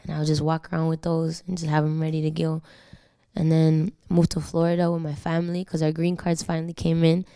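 This young Canadian singer, a native Spanish speaker, chats candidly in a casual interview, freely swearing and using slang. She speaks briskly in a low, dark, smooth monotone, recorded at studio quality with no room sound.

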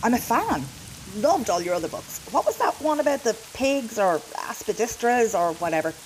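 A woman's voice: on the high side, very animated, normal speed, slight background noise, poor audio. A woman playing a cheeky, evasive time traveller in an audio comedy, flippant, colloquial and breezily blunt. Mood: breezy. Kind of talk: comedy audio drama acting.

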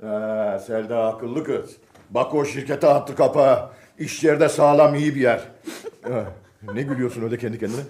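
An actor playing a grumpy, stubborn retired father in a radio drama, talking in a gruff, scolding, sarcastic way. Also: mid-range voice, moderate pace, a little mellow, lightly acted. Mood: grumbling. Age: older.

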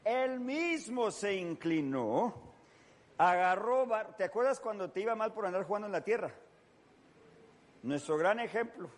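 A man's voice: high voice, animated, unhurried. A man preaching a sermon, telling stories with acted voices and playful asides. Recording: long reverb of a large hall.

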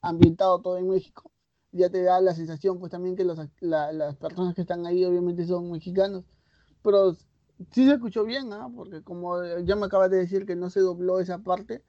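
A man's voice: sits high, fairly even intonation, fairly quick, no room sound. A man from Latin America hosting a podcast interview, asking questions in a curious, easygoing way. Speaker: podcast host. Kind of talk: casual interview. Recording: dry, dull lo-fi recording.

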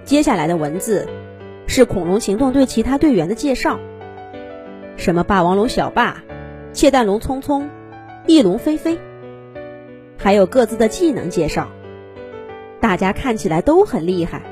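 A woman reads a fairy tale to small children. Her delivery is animated and expressive, with a lively, wide-moving pitch. Faint music plays behind her. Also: normal speed, long pauses. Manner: animated storytelling for young children. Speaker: children's story narrator.

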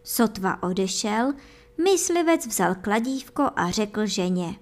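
A woman reading a folk fairy tale aloud for children and adults, telling it in a lively, expressive way. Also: mid-range voice. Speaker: storyteller.

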